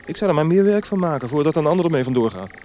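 Higher-voiced young officer played by an actor. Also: male voice, lively intonation, rapid-fire, a little mellow, a little hiss or hum, lightly acted. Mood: frank, doubtful. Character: frank, admiring young army officer on leave. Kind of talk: Dutch radio play acting.

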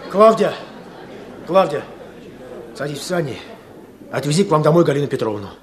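An actor playing a steady, decisive village official in a Russian radio drama. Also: male voice, fairly high pitch, moderate pace, some chatter behind, natural voice. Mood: kindly, welcoming. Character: steady, decisive village official, male, stern yet considerate. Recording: slightly noisy old radio play recording.

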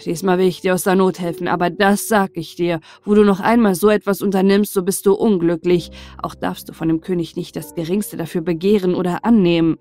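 A woman voicing a stern male saint in a fairy tale, measured and admonishing. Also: on the low side, steady tone, mellow, soft background music, natural voice. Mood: scolding. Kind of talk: fairy-tale storybook character voice.

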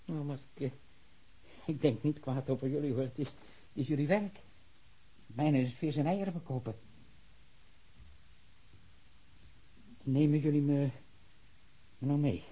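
A man acting in a radio drama as a nervous, defensive murder suspect, a repressed shopkeeper with a husky, halting delivery. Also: on the high side, mellow, lo-fi sound. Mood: meek, anxious. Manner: halting, stammering under pressure.

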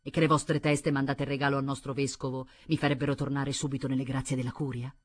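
A woman reading the part of a cold, scheming nobleman in a commanding, bitter manner, with a husky voice. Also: very deep voice, level tone, fast, no echo, clean studio sound. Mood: imperious. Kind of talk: audiobook reading.

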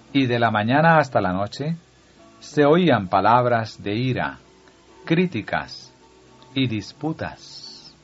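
A man reading a devotional text aloud at a slow, measured pace, letting phrase ends fall. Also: mid-range voice, breathy edge. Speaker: audiobook reader. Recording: dull lo-fi audio with faint music.

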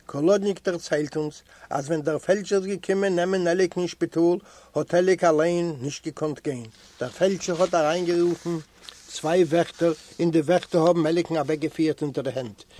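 A man narrating a literary audiobook in measured first-person storytelling, recorded close in a library recording room. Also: a little high, dark tone. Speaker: audiobook reader.

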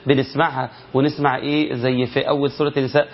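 A man with an Egyptian accent teaching Quran recitation, asking rhetorical questions and chanting drawn-out verses to show the rules. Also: medium pitch, level tone. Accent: Egyptian Arabic. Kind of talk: recitation lesson. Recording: lo-fi muffled recording.

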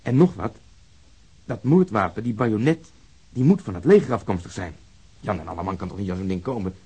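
Husky, blunt, bitter policeman. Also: fairly low pitch, expressive, a little fast, mellow. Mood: blunt, thoughtful. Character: blunt, bitter male police officer, ex-serviceman. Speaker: actor. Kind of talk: radio drama dialogue.

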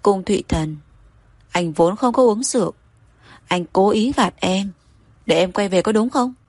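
A woman's voice: medium pitch, a little slow, a little mellow. A woman reading the lines of a stubborn, wary young wife who speaks curtly. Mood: cool.

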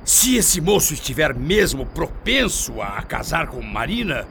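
A man acting a middle-aged, indignant and cunning father in a Brazilian radio soap opera, with theatrical, halting emphasis. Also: on the high side, sing-song, gravelly, a bit bright, slight background noise, full character voice. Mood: stern, controlled. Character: indignant, cunning husband and father, feigning reason.

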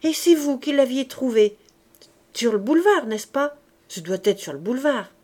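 A woman voicing a poor, brash young girl who chatters loudly and boastfully. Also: sits high, lively intonation, moderate pace, pitched above the performer's own voice. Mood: excited. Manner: loud, eager, boastful chatter.

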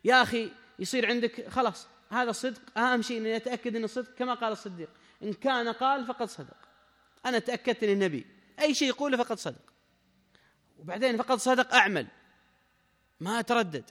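A man's voice: very high-pitched, fast, pauses often, fairly bright tone, in a large hall. A man giving a religious lesson, emphatic and repeating his key phrases as he speaks straight to the listener. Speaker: Islamic scholar giving a lesson.

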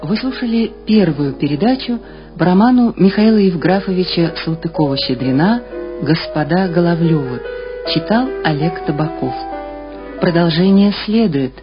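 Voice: medium pitch, expressive, moderate pace. Radio announcer, scripted programme credits, faint music underneath, muffled broadcast sound.

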